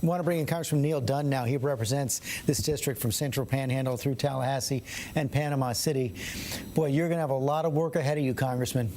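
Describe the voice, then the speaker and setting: Guy anchoring live news, creaky voice, repeats his words a bit, noisy background. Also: mid-range voice, fairly even intonation, quick pace, warm tone.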